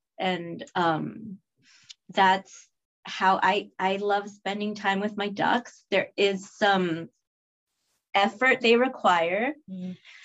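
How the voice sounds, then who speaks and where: A woman with a Spanish accent speaks at a very slow pace, with long, frequent pauses and ordinary pitch variation. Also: medium pitch for a woman. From El Salvador. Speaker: nonprofit executive director. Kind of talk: casual interview chat.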